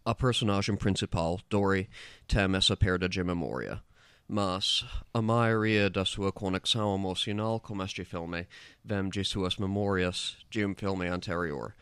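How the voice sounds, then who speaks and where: A man with an American accent, a native English speaker, giving careful, measured analysis in a casual film discussion. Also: low voice, fairly bright tone, smooth, dry recording. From United States.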